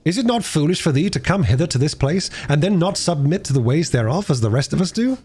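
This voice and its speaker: A brotherly young squire from a storybook, acted out by a man reading aloud. He speaks in archaic phrases with a chiding edge, pitched up and very lively in its rise and fall. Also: fast talker, breathy edge.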